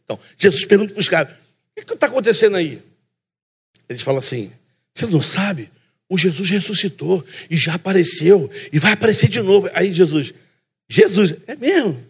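A man with a Carioca accent preaching a sermon, telling a story with lively energy and acting out both sides of the talk, often calling the listeners brother. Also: sits high, brisk, slightly rough. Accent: Carioca Brazilian Portuguese. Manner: calls the listeners "brother" again and again. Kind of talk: sermon with a funny personal story.

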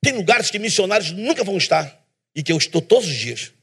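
A man preaching a sermon in a church, emphatic and animated, with self-deprecating humor. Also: high voice, fast, vocal fry, slightly rough.

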